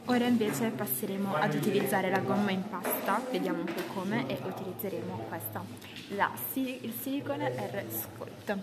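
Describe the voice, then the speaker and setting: A woman's voice: medium pitch, normal speed, a loud crowd. A woman hosting a vlog, chatting eagerly to the camera in a large workshop. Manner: enthusiastic, chatty. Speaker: vlog host. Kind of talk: casual chat to camera. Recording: echoey hall with loud music.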